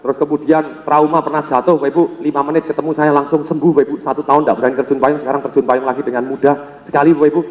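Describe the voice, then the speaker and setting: Energetic fast-talking male seminar trainer. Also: fairly high pitch, muffled recording. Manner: energetic, keeps addressing the audience directly. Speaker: sales and motivational trainer. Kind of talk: live seminar address. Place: large seminar hall. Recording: echoey hall with long reverb.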